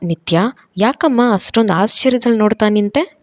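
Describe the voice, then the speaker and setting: A woman voicing a gentle middle-aged aunt who speaks softly and sorrowfully. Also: medium pitch, animated, moderate pace, lightly acted. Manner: soft, tender, sorrowful.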